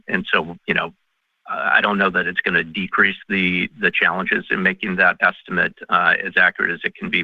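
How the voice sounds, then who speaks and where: Deep-voiced male executive on a conference call. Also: creaky, husky, dry recording. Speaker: company executive answering analyst questions. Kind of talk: unscripted earnings call answer. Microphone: conference call line. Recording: dull, band-limited conference call audio.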